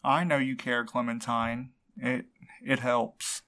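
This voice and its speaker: A man's voice: mid-range voice, flat delivery, slow pace, sharp tone. A man playing an exhausted, worried courier in an audio drama, earnest and weary in manner. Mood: subdued, earnest. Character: exhausted, worried male courier missing his partner. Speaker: actor in a fiction podcast. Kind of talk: naturalistic audio drama acting.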